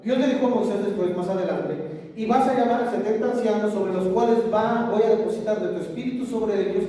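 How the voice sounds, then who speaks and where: A man's voice: high voice, fairly quick, warm tone. A man with a Mexican Spanish accent preaching a sermon as pastor, asking the congregation for amens and answers. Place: church hall. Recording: echoey church hall, mic far off.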